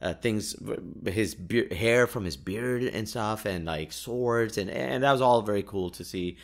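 A man's voice: lowish voice, measured pace. A man whose first language is Urdu tells anecdotes in a casual, jokey monologue as a podcast host, with wry exaggeration.

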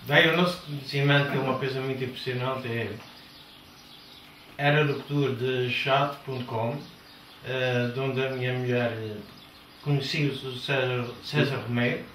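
A man's voice: medium pitch, steady tone, measured pace, fairly bright tone. A man in his thirties with a São Miguel Azorean accent, telling his story animatedly as an interview guest. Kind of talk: casual TV interview. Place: living room of a house, indoors. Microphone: handheld microphone held by interviewer. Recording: roomy, distant, noticeable background noise.

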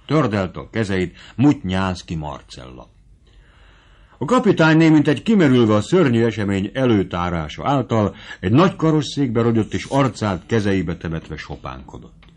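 A man's voice: fairly low pitch, sing-song, darkish tone. A man reading a classic novel aloud as an audiobook narrator, telling the story expressively. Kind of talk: scripted literary narration.

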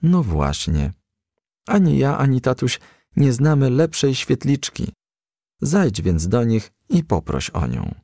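A man voicing an ailing, tender firefly mother who gently insists, in a storybook. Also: medium pitch, huge pitch swings, slow pace, no room sound, clean studio sound, pitched above the performer's own voice, full character voice. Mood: gently urging.

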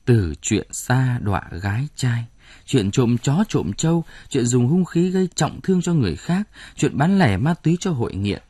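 Expressive, husky male audiobook narrator. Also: mid-range voice, moderate pace, dry recording, clean studio sound. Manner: expressive storytelling. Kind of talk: scripted narration.

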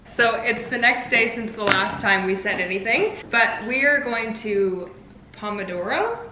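A woman's voice: on the high side, animated, measured pace, bright, forceful tone. A young woman vlogging at arm's length, chatting upbeat about food and places. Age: young adult. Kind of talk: casual chat. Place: car and home. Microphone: camera held at arm's length. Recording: noisy phone vlog audio.

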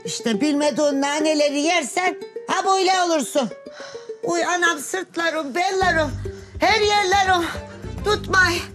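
An actress playing a brash, earthy middle-aged village matchmaker with a Black Sea Turkish accent, in a TV comedy. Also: female voice, extremely high pitch, a little slow, over music. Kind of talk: TV comedy drama acting.

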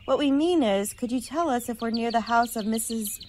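A woman's voice: on the high side, brisk, a little mellow, a little hiss or hum, lightly acted. A woman playing a sarcastic, complaining young college student in a radio play. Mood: sarcastic, grumbling. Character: grumbling, wisecracking young female college student.

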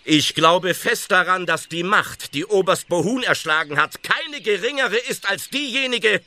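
Defiant devout blacksmith, sharp forceful voice. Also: male voice, sits high, expressive, unhurried, no room sound, exaggerated voice. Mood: fervent preaching. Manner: fervent, indignant, emphatic. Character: burly, devout, defiant village blacksmith accused of murder. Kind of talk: German audio drama acting.

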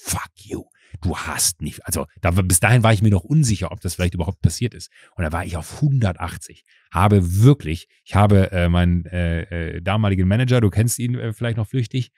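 A man's voice: low voice, brisk, few pauses, dry recording, studio quality. A man hosting a podcast, telling a long anecdote in casual chat and acting out the voices of the people in it. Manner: animated storyteller acting out quoted voices. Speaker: podcast host.

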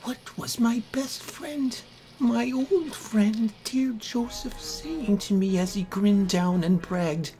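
A woman giving a dramatic first-person horror narration in a theatrical, anguished, deliberate manner. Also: fairly high pitch, dark tone. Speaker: amateur story narrator. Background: music.

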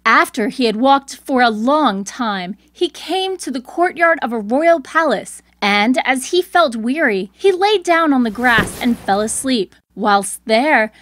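High-voiced woman narrating a fairy tale. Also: expressive, measured pace, hardly any pauses, fairly bright tone, dry recording. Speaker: storyteller, narrator.

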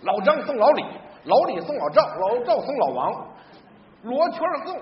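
An actor playing a hearty, principled middle-aged factory director in a stage comedy sketch, blunt and emphatic. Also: male voice, very high voice, sing-song, normal speed. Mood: preachy. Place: large theater stage before a live audience. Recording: echoey theater stage, muffled, noisy.

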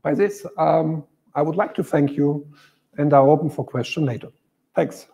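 A middle-aged man with a German accent giving a keynote lecture in a hall, pausing often with fillers and restarts. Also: on the high side, vocal fry, mellow, slightly rough. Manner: hesitant, many fillers and restarts.

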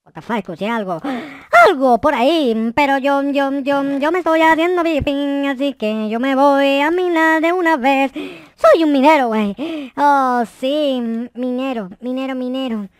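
High-pitched silly noob kid. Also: male voice, dry recording, clean studio sound. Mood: playful. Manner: exaggerated, goofy, dramatic, drawn-out exclamations. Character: silly childish noob boy, Minecraft character, excitable and easily scared. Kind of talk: roleplay gameplay commentary.

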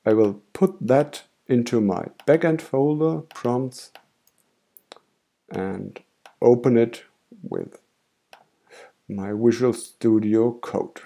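A man with a German accent, a native German speaker, calmly explaining software steps in a screen-recorded tutorial. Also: medium pitch, slow pace, vocal fry, pauses often. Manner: calm step-by-step explaining. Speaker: tutorial host.

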